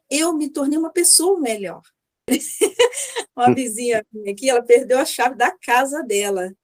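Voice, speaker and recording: A Brazilian woman in her fifties giving a chatty personal testimonial as a mentoring client, often acting out little dialogues. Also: high-pitched. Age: 50s. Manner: chatty, acts out dialogues, frequent tag questions.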